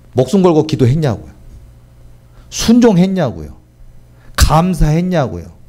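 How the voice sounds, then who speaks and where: A man with a fairly high pitch and a dark, mellow tone speaks somewhat breathily at a fairly slow pace. His pitch swings very widely, with long, frequent pauses. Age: 50s. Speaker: pastor. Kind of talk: sermon. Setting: church.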